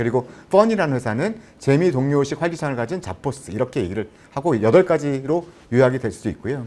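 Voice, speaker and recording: Lively intonation marks this man's very fast delivery. His pitch is fairly high. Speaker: HR research institute head presenting a seminar. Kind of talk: live seminar presentation. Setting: live webinar.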